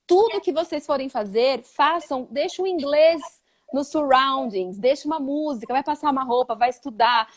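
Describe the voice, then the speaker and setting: A woman's voice: sits high, normal speed. A woman from Brazil, an English teacher, chatting casually in an interview and acting out quoted voices. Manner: animated, acts out quoted voices.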